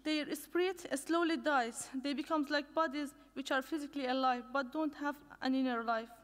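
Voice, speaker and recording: A young woman from Iran, an English speaker, gives an earnest prepared conference speech with a few restarts. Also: high voice. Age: young adult. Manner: measured, earnest, reads from notes with restarts. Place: conference hall. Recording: long reverb of a lecture hall.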